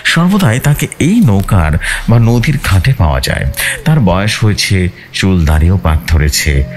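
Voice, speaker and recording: Very deep-voiced man hosting horror stories. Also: sing-song, measured pace, a little hiss or hum. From Bangladesh. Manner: mixes English words into speech, dramatic. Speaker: horror storytelling show host. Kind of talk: radio-style show hosting and horror story narration. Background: music.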